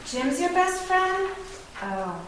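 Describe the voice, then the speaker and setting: High, naive young woman. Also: sing-song, takes it slowly, fairly bright tone, heavily acted. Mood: naive, needy. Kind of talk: animated sitcom table read. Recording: very echoey, noisy room.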